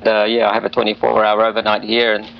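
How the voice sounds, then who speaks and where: A man with a low, gravelly voice that stays flat and level. He answers interview questions earnestly, pausing on fillers, heard over slightly dull remote audio with a faint hiss from a hotel room. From Australia. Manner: earnest, hesitant with frequent fillers. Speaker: airline pilot guest.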